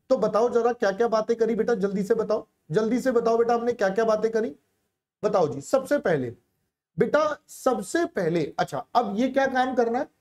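A male teacher leads a live online class in a coaxing, repetitive way. He checks in often and slips English phrases into his explanations. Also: sits high. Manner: coaxing, repeats phrases, calls students "beta".

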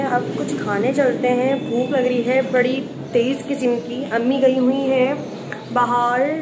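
A young woman vlogging at home in a chatty, playful way, talking to her pets and family. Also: high voice. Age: young adult. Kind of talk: casual home vlog. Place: at home, indoors and on the rooftop. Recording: noisy home phone recording.

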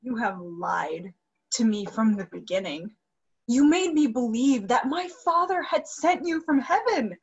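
A young woman playing a defiant, sorrowful captive singer in a staged reading, formal and deliberate. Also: on the high side, lively intonation, husky, exaggerated voice. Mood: accusing, anguished. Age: young adult. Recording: muffled video call audio.

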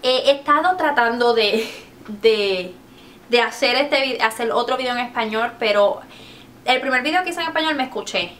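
A woman's voice: on the high side, moderate pace, fairly bright tone, a little hiss or hum. A woman chatting casually and a little self-consciously as a beauty vlogger, mixing English words into her Spanish. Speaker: beauty video host. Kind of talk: casual chatty product review.

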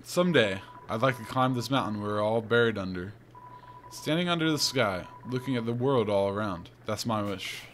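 A man voicing a gentle, wistful dreamer in a video game, reading plainly and earnestly. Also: fairly low pitch, normal speed, slight background noise, voice pushed down, natural voice. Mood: wistful, shy. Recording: game music behind the voice.

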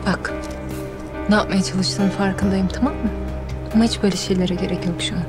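A woman's voice: mid-range voice, fairly even intonation, a little fast, natural voice. A young actress playing a proud businesswoman who answers in a curt, cool way, holding back hurt. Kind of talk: television drama acting. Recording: scene music underneath.

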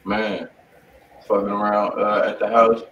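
Man, music stream host, deep voice, casual profane slang, roomy sound, faint noise. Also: flat delivery, a little slow, a bit bright, far from the mic, lo-fi sound. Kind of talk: casual chat, music feedback.

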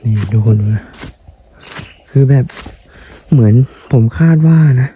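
A young man vlogging outdoors in a forest, talking casually to his viewers, sometimes calling out loudly and sometimes speaking in a hushed, gentle way. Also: medium pitch, slow, dull audio, a little hiss or hum. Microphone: handheld camera mic.

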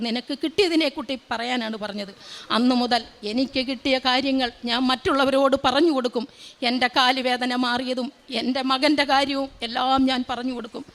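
High-voiced middle-aged woman testifying. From Kerala, India. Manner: earnest, repetitive storytelling. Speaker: devotee giving testimony. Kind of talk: church testimony.

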